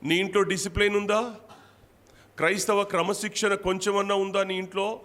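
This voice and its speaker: A man's voice: sits high, little pitch movement, normal speed, fairly bright tone. A man preaching a sermon as pastor, firing repeated rhetorical questions at his congregation. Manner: repeats phrases for emphasis. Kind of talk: Telugu church sermon.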